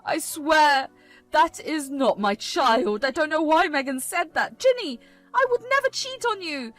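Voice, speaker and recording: A firm, frustrated young husband, voiced by a woman narrator with a high voice that stays loud and insistent. He holds his ground and demands answers. This is a storybook reading with faint music underneath. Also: lively intonation, unhurried. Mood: defensive.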